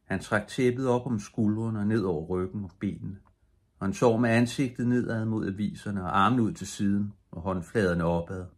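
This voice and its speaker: An older man reads a bedtime story aloud in a calm, steady way. His voice is very low and husky. He keeps an even pace from line to line. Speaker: audiobook reader.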